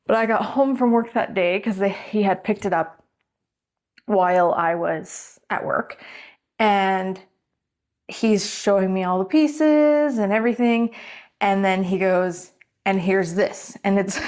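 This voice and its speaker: A woman's voice: mid-range voice, a little mellow. A woman in her thirties, telling a long story to camera in a rambling, chatty way, often yawning. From Canada. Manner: rambling and chatty, full of "like" and self-corrections. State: yawning, has an ear infection. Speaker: vlogger. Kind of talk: casual storytelling vlog.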